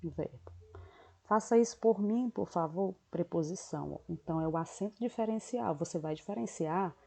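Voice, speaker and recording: A woman teaching a grammar lesson with a patient, checking-in manner. Her voice sits low with a gravelly edge. The tone is dark and a little husky. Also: moderate pace. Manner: patient, uses many diminutives and checks with "tá certo?". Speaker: Portuguese teacher.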